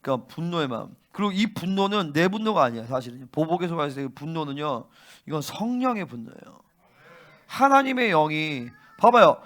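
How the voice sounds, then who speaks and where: Fervent high-voiced male pastor preaching. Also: expressive, a little fast, a bit bright. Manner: fervent, keeps prompting listeners with "응?". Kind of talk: sermon.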